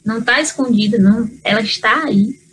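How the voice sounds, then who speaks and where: A woman from Brazil talks on an online panel from home over a video call. Her voice sits a little high, and she speaks in an earnest, halting way, full of fillers and restarts. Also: fairly bright tone, breathy edge, poor audio. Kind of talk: spontaneous talk in an online panel.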